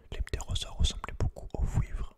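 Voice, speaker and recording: A man speaks in a breathy, voiceless whisper, hosting ASMR. He moves between reading aloud and informal, slangy remarks addressed straight to the listener. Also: normal speed. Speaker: ASMR video host.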